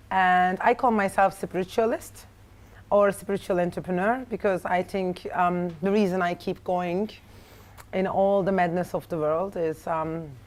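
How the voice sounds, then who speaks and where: Speaking with a Turkish accent, a woman at a medium pitch goes at a fairly slow pace with fairly even intonation. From Turkey (Istanbul). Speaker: well-being entrepreneur. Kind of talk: interview conversation.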